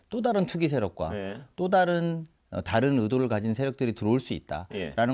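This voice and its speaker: This man has an ordinary speaking voice. His pitch is medium and his pace moderate. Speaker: presidential chief of staff. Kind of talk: interview answer.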